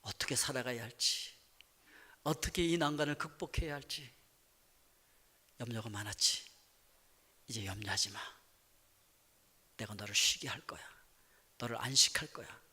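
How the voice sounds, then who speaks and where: A man voicing the Lord as a gentle shepherd, speaking softly and comfortingly in a low, half-whispered voice. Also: moderate pace, long pauses, husky, big-room sound. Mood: tender. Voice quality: soft, hushed, half-whispered.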